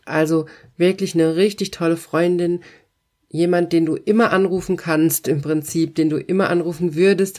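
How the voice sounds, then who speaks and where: A coach who runs hypnosis sessions gives a self-help talk, speaking straight to the listener in an encouraging, emphatic way with repeated affirmations. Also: mid-range voice. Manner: warm, encouraging second-person address with repeated affirmations; emphatic, pointed phrasing.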